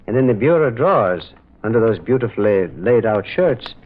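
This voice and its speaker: An actor playing a gentle, shrewd priest detective in an old-time radio mystery, wry and curious, musing in a hesitant, folksy way. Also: male voice, lowish voice, sing-song, normal speed, slight background noise. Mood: curious, puzzled. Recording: muffled old radio recording.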